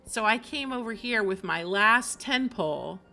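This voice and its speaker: A woman's voice: a little high, expressive, measured pace, vocal fry, bright, forceful tone, soft background music. A woman game streamer chatting casually and expressively on a livestream, in an informal way. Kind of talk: casual livestream chat about games.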